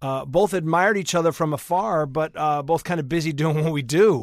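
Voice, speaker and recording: A man speaks in a normal speaking voice with a fairly high pitch. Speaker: podcast host. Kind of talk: casual interview chat. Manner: rambling, self-deprecating, tangential.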